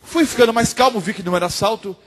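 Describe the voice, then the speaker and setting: A man's voice: high voice, rapid-fire. A male pastor preaching a sermon in a church, telling a testimony and acting out the dialogue, addressing the congregation. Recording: long church hall reverb.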